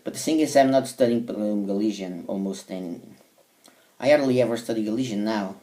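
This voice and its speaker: Man, Portuguese accent, native Portuguese speaker, hesitant with many fillers, warm dark tone, a bit off-mic. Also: on the low side, a little fast, recorded from a distance. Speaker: language learner vlogger. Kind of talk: casual monologue to camera.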